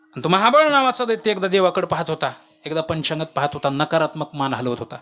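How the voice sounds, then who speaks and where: High-voiced animated male preacher. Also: fast. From Latur, India. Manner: animated, acting out the characters. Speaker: kirtan preacher. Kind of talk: devotional sermon storytelling.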